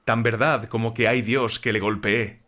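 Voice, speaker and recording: A man's voice: fairly low pitch, steady tone, moderate pace, a bit bright, natural voice. A man playing a young ex-soldier servant in a dramatized horror audiobook, frightened yet defensive and deferential to his master. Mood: shaken, horrified. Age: young adult. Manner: deferential, repeatedly addressing his master as sir.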